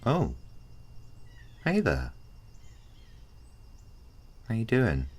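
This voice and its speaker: A man playing a laid-back, kind, teasing male friend in an ASMR roleplay, chatting casually and haltingly to the listener. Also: on the low side, wildly swooping pitch, full character voice. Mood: awkward, let down. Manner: hesitant, halting, colloquial, with sighs and soft chuckles.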